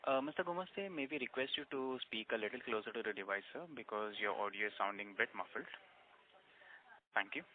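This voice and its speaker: Brisk low-voiced man moderating by phone. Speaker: conference call moderator. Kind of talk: formal call moderation. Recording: distant phone-like conference line.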